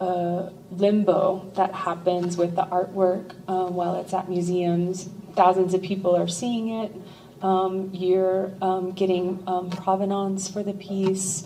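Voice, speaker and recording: A woman with an American accent speaks at a very slow pace with a medium pitch and monotone, flat intonation, amid noticeable background noise and audible room echo. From Los Angeles area, California. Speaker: fine art photographer, keynote speaker. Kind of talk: keynote talk with Q&A. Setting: conference room with audience. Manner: casual, many fillers.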